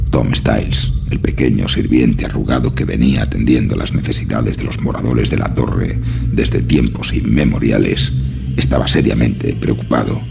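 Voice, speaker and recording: A male narrator reads a horror story in a measured, literary style. The voice is extremely deep and heavily gravelly, with faint music underneath.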